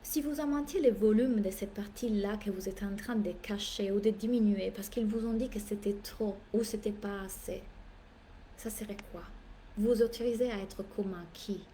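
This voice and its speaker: A woman's voice: mid-range voice, normal speed, a little hiss or hum. A woman business coach speaking French as a second language, giving a live masterclass talk that is emphatic and playful, repeating phrases for effect. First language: not French. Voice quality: animated, playful, theatrical asides.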